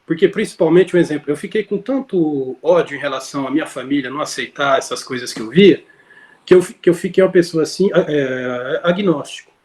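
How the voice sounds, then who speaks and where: A man's voice: a little high, a little fast, darkish tone. A man telling a personal story in casual conversation, rambling with many fillers and self-corrections, heard over a video call. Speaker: interview guest.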